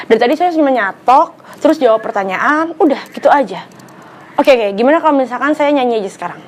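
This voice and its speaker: A young woman in her twenties from Palembang talks with a bright, high voice. She is sassy and exasperated, snapping back at every question in a comic sketch. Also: lively intonation, quick pace, a little hiss or hum. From Palembang, Indonesia. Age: 20s. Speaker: comedy YouTuber. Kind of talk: comedic sketch.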